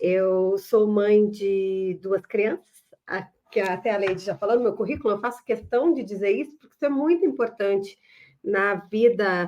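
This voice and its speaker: At a moderate pace, a woman talks in a medium pitch with ordinary pitch variation. Her loudness swings widely. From southern Brazil, Curitiba. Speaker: energy industry association executive. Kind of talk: podcast interview. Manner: casual, conversational.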